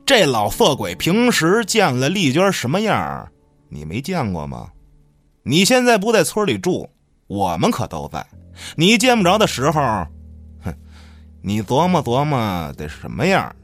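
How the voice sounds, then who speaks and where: A man plays a hot-tempered village tough in a radio drama. He is coarse and foul-mouthed, throwing accusations and taunts with a hugely animated pitch, over music. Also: moderate pace. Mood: taunting, scornful. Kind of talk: Chinese radio drama acting.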